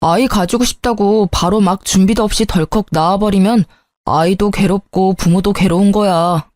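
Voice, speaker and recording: A woman's voice: mid-range voice, fairly even intonation, moderate pace, no echo, studio quality, close to an everyday voice. A woman voicing a young husband who is irritable and defensive in a spoken story. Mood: lecturing. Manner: sulky, sharp-tongued, pleading at times. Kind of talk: storytelling with dialogue.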